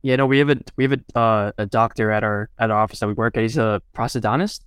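A young man hosting a casual podcast interview, relaxed and full of "like" and "I guess". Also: fairly low pitch, fast, smooth, no room sound, studio quality. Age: young adult. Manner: relaxed, lots of "like" and "I guess" fillers. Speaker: podcast host.

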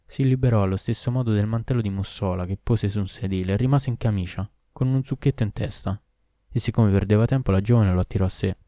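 A man narrating a classic tale in a steady storytelling reading. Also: lowish voice, fast, no echo, clean studio sound. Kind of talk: audiobook reading.

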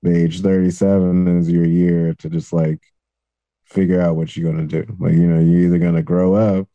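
A man's voice: deep voice, flat delivery, moderate pace, dark tone, no echo, dull audio. A man in his late thirties, a comedian guest, talking loosely and joking, with casual swearing. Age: 30s. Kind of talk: casual interview chat.

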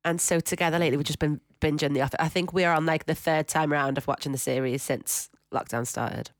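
Brief: woman, giggly co-host, lowish voice, dry sound. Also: steady tone, fast talker, no room sound. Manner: giggly, enthusiastic. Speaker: podcast co-host. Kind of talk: casual chat.

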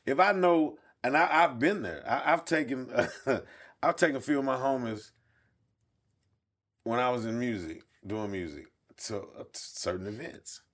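A man's voice: medium pitch, lively intonation, unhurried, a bit bright. A man speaking African American English in casual conversation, blunt and freely profane, telling stories in a streetwise way.

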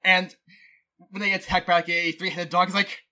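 Bright, animated male co-host. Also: high voice, a little fast. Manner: animated storyteller, acts out quotes. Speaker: podcast co-host. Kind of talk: casual podcast chat and sponsor read.

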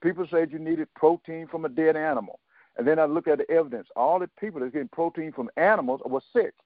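A man in his seventies, a guest on a talk radio show, telling his story haltingly with many fillers and restarts and quoting others in dialogue. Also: a little high, no room sound. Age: 70s. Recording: dry, tinny phone line.

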